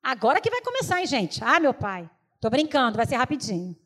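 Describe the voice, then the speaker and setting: High-voiced Rio woman preaching with humor. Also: fairly quick. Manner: lively storyteller, joking with the congregation. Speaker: women's preacher. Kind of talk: humorous sermon.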